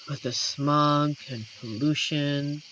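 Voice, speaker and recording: A performer voicing an amiable, shy werewolf forest protector in a roleplay audio drama, speaking gently and hesitantly with earnest pauses. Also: mid-range voice, fairly even intonation. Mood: shy, wry. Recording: noisy track with night cricket ambience. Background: crickets and night forest insect ambience.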